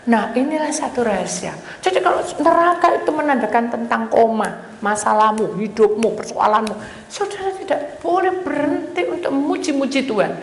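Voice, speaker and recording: A high-pitched woman pastor tells her testimony from the pulpit, acting out every voice she quotes. Her words ring through a church hall with a long reverb and faint room noise behind. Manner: dramatic storytelling, acts out quoted voices, addresses congregation as "saudara". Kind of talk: sermon testimony.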